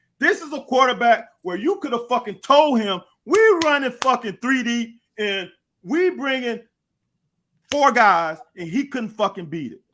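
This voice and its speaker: A man speaks with an extremely high pitch, very wide pitch swings and a bright, sharp, animated tone in a raised, projected voice. His pace is fairly slow, with long, frequent pauses and big swings in loudness. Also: very clean recording, silent background. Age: 40s. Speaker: podcast host, former college football player. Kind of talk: casual sports chat.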